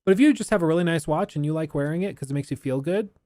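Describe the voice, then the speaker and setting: A man's voice: on the high side, very fast, dark tone, no room sound. A man giving casual, enthusiastic live reaction commentary on a stream, chatty and loose with fillers. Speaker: streamer reacting to a game showcase.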